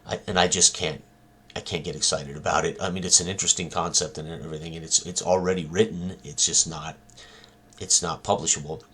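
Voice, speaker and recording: A man with an extremely deep voice that still has a bright, edgy tone and a husky grain. He talks about his own tabletop game in a casual, halting way, full of ums and uhs. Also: steady tone.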